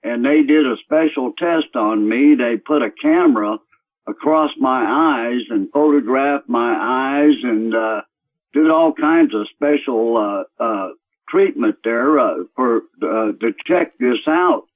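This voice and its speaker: A man phones into a talk show on speakerphone from his computer, so his voice comes through thin and tinny, like a phone line. He talks at a plain middle pitch and rambles, stalling often on fillers as he searches for words. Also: lively intonation. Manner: rambling, halting with many fillers. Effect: on speakerphone over a computer call. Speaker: caller. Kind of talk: radio call-in talk.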